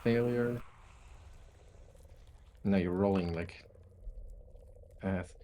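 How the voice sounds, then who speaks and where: A man acting as game master, narrating a tabletop game in a relaxed way and thinking aloud as he checks dice rolls over an online call. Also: low-pitched, drawn-out words, slight background noise.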